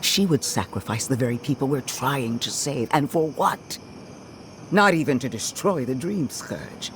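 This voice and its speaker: An actor playing a solemn, embittered oath-bound zealot in a fantasy video game, grave and oratorical. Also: male voice, medium pitch, lively intonation, measured pace, slight background noise, close to an everyday voice. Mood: scornful.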